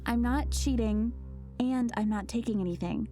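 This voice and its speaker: A woman's voice: fairly high pitch, moderate pace, warm tone, soft background music, lightly acted. A woman playing a confused, earnest teenage schoolgirl in an audio drama, speaking hesitantly and defensively.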